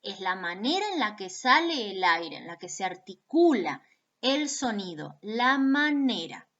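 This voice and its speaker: In a muffled recording, a phonetics teacher from Argentina, speaking with an Argentine Spanish accent, delivers a video lecture. Her voice is medium-pitched with a fairly bright tone. Patiently, she sounds out examples and addresses her students directly.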